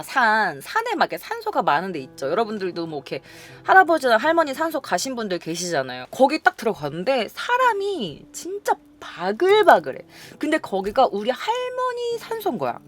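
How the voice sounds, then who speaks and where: A young woman casually telling viewers about her dreams in a chatty, lively way. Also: a little high, brisk. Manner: chatty, lively, acts out quoted lines.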